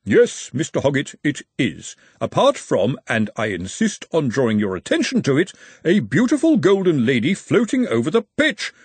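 A man's voice: a little high, huge pitch swings, normal speed, husky, no room sound, pitched above the performer's own voice, exaggerated voice. A man doing a prim, pompous referee. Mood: haughty. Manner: prim, over-precise. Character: pompous precise male referee, a scholar.

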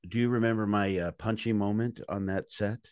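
A man hosting a podcast interview, teasing his guest with playful deadpan jokes. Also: on the low side, fairly quick, clean tone, no echo, studio quality. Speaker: podcast host. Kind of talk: joking interview chat.

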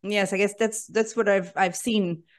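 A woman's voice: medium pitch, steady tone, moderate pace. A woman hosting a casual podcast, chatty and laughing often as she introduces her guests. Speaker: podcast host.

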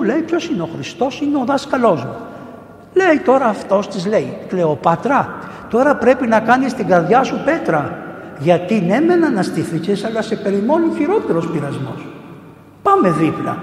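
A middle-aged male priest delivers a storytelling sermon, slipping into the voices of the people in his tales. His voice sits high and moves in wide, animated swings. The sound carries the long reverb of a large church. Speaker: priest and missionary preacher. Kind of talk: sermon retelling saints' stories.

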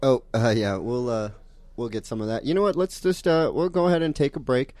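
A man's voice: medium pitch, fairly even intonation, fairly quick, darkish tone, dry recording. A man hosting a talk show, speaking emphatically and often checking in with "you know?". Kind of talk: casual radio talk.

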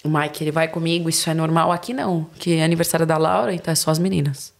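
A woman's voice: sits low, fast, creaky. A young woman with a São Paulo accent, chatting casually as a podcast guest and acting out the people she quotes. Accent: São Paulo Portuguese. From Brazil. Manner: animated storyteller, acts out quoted dialogue. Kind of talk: casual chat.

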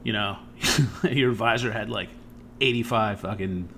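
Male podcast co-host, lowish voice, loose storytelling, peppered with "right?" and "you know". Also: a little slow, a bit bright, slight background noise. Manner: rambling storyteller, swears, frequent "right?" asides. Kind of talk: casual podcast chat.

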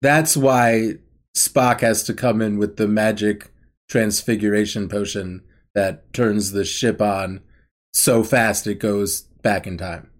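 A man's voice: lowish voice, steady tone, takes it slowly. A man co-hosting a casual podcast, recapping a TV episode with wry, laughing asides. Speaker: podcast co-host.

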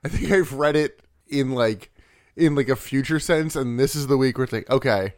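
A man's voice: medium pitch, normal speed, no echo, studio quality. A man hosting a podcast, explaining things in a casual, joking, swearing way. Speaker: podcast host. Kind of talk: casual chat.

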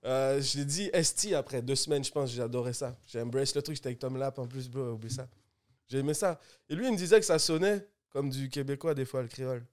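A man's voice: mid-range voice, fast talker. Guadeloupean-accented man, twenties, easygoing, slangy, casual chat. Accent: Guadeloupean French. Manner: relaxed, laid-back, mixes English slang. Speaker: guest music producer.

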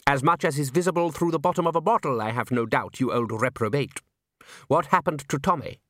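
A man's voice: medium pitch, a little fast, fairly bright tone, no echo, pitched above the performer's own voice, close to an everyday voice. Guy doing bossy sardonic organiser type in an audiobook, withering, articulate, dry close sound. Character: imposing male organiser, brisk, sardonic and commanding.

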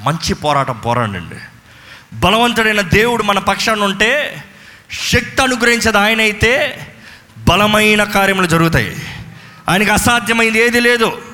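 A male pastor preaching a fervent sermon and leading prayer in a church, urging the crowd with repeated calls. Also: high voice. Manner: fervent, repetitive exhortation, calls for loud praise. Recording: reverberant church hall with music.

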